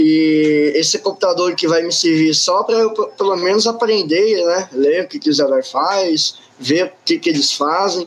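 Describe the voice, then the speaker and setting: The speech moves at a fairly slow pace with hardly any pauses. Noticeable background noise runs underneath. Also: man, high pitch for a man, ordinary pitch variation. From interior of Rio de Janeiro state, near Espírito Santo border. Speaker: aspiring professional esports player. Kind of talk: casual chat. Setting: live-streamed podcast.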